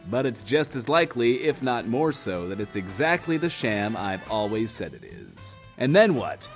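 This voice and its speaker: An actor playing a self-important, wordy, lonely radio host in a post-apocalyptic bunker, in an audio drama. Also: male voice, fairly low pitch, big pitch swings, normal speed, soft background music. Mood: showy, defensive. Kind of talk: in-world radio show monologue, audio drama.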